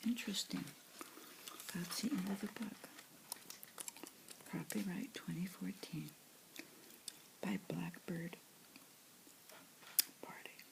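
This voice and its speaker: Whispering woman with a gravelly edge. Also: lowish voice, poor audio. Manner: slow, soft, doting commentary on the pictures. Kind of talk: whispered ASMR picture-book reading.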